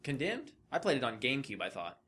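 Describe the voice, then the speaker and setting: A man's voice: medium pitch, wildly swooping pitch, fast talker, a bit bright, husky. A man co-hosting a casual video game podcast, chatting and swearing easily. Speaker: podcast co-host.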